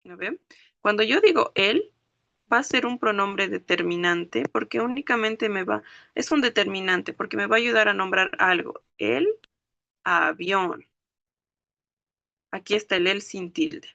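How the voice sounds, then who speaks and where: Woman language teacher, bright tone, patient step-by-step explaining. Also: medium pitch, vocal fry, dry recording, muffled recording. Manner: explains slowly, checks understanding with "¿ok?" and "¿no ve?". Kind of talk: classroom lecture.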